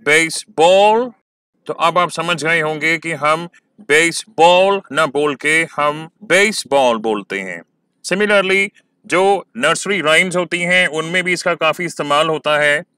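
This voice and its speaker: A man teaching exam-prep poetry lessons, talking slowly and stretching words to show syllable stress. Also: on the high side, sharp tone, smooth, no room sound.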